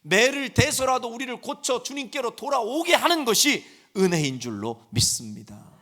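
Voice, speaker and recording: A middle-aged man preaches in a church sanctuary with a high, bright voice that leaps around in pitch. He dramatizes his points, switching into the voices of scolding parents and pleading children. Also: big pitch swings, moderate pace. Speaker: senior pastor. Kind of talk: sermon.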